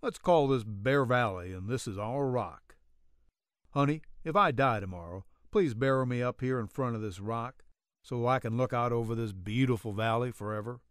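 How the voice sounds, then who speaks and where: A man's voice: mid-range voice, no room sound, studio quality, natural voice. A man voicing a plain-spoken, tender young cowboy ranch hand in an audiobook. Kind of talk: audiobook character dialogue.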